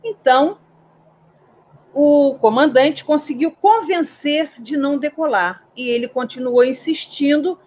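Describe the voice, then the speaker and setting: A woman's voice: high-pitched, unhurried, a little mellow. A Brazilian woman in her sixties with a Brazilian Portuguese accent, an aviation security specialist telling a story and asking her listeners questions. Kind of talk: storytelling in a talk. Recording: dull, slightly muffled audio.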